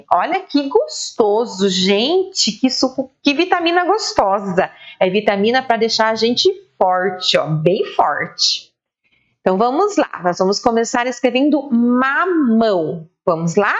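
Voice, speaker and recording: Slow sing-song teacher woman, lo-fi. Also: medium pitch. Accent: Brazilian Portuguese. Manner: slow, sing-song syllable-by-syllable spelling, praising children. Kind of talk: online literacy lesson for young children.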